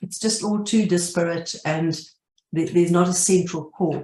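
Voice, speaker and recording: A woman's somewhat breathy, dark, mellow voice at a fairly low pitch, with ordinary pitch variation and a moderate pace. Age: 80s+. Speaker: tree book co-author. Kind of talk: webinar interview. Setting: video call.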